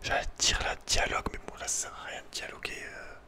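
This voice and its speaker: A man speaks in a breathy whisper throughout, as in an ASMR video. His delivery is casual and slangy, with a hesitant, rambling flow. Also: quick pace, pushed and bright.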